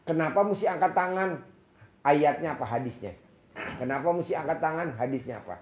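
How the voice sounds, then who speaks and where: A man's voice: fairly high pitch, expressive, fairly quick. A man in a casual counseling talk, speaking directly to a woman and acting out sample prayers. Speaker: spiritual advisor. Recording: echoey room.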